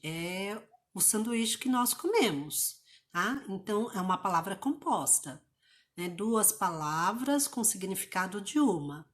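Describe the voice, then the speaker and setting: A woman from Brazil teaching an online English lesson, explaining pronunciation rules patiently and repeating example words slowly. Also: on the high side.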